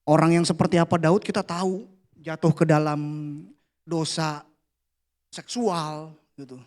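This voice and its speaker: Chatty high-voiced youth pastor. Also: male voice, little pitch movement, a little slow. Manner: chatty, playful, drops to a hushed voice for prayers. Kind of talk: casual youth sermon. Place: church hall.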